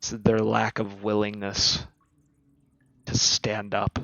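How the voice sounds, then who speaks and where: Using a put-on character voice, a man growls at a fairly low pitch, keeping a monotone, flat intonation and a fairly slow pace. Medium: actual play. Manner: contemptuous, growling.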